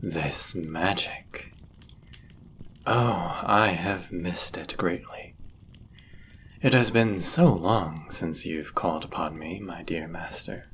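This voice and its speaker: Male actor for jealous, devoted demon in fantasy audio roleplay: lowish pitch, unhurried and theatrical delivery. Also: a bit bright, a little hiss or hum, heavily acted. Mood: devoted, wistful. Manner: formal, archaic, theatrical phrasing.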